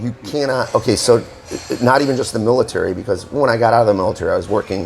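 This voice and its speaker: A man with an American accent talks at a very fast pace, medium in pitch with ordinary pitch variation. Noticeable background noise is present. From Upstate New York. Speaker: military veteran and retiree. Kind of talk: casual interview chat.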